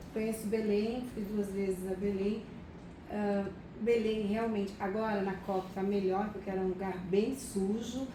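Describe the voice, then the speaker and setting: A woman chatting casually in a group meeting. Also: medium pitch. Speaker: reading circle participant. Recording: echoey room from far off, noisy.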